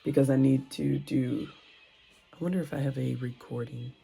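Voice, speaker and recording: Hoarse raspy-voiced woman vlogging. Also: a bass voice, steady tone, normal speed, mellow, soft background music, rough recording. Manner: rambling, thinks aloud, self-correcting. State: hoarse from a sore throat. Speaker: vlogger and mom entrepreneur. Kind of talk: casual talking-to-camera vlog. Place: at home. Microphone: phone on a tripod. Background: faint kids' show audio.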